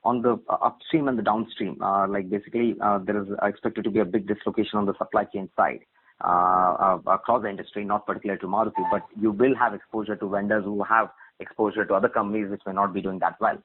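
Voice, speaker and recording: A man with an Indian accent puts a long, polite analyst's question on a conference call. His voice is lowish and rough-edged, and he talks quickly. It comes through a thin phone line. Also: little pitch movement. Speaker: financial analyst asking questions.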